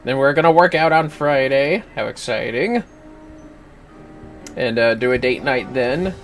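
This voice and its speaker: A male game streamer talks casually to his viewers in a medium-pitched voice. He rambles, mutters to himself and swears freely. Music plays clearly behind him. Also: fairly bright tone. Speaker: livestreamer. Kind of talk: casual gaming livestream chat with viewers.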